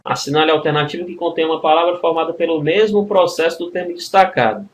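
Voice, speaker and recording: Brazilian man teaching grammar, slightly high voice. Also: quick pace, a little hiss or hum. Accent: Brazilian Portuguese. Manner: explains step by step, with constant tag questions; addresses students as a group. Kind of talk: recorded exam-prep video lesson.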